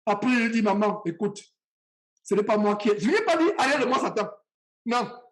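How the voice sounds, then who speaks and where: A man's voice: high-pitched, expressive, fairly quick. A man from Cameroon, preaching a sermon and speaking straight to his listeners with passion and repetition.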